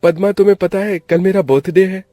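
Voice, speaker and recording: A man doing a smooth, coaxing young lover. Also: sits high, fairly quick, dark tone, no room sound, faint music behind, voice pushed up, lightly acted. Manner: coaxing, persuasive.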